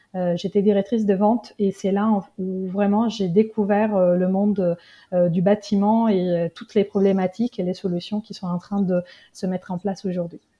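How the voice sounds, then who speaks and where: A woman speaks with a slight Italian accent and a somewhat breathy voice. Her intonation is flat and monotone. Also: medium pitch for a woman, moderate pace. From Italy, Genoa. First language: Italian (speaking French). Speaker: homeowner and entrepreneur in material reuse. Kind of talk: interview. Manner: halting.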